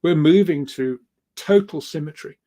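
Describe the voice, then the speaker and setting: Man explaining earnestly with halting repetitions. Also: fairly high pitch, mellow. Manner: halting, repeats words and restarts often. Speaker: guest speaker and researcher. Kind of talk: interview answer, explaining at length.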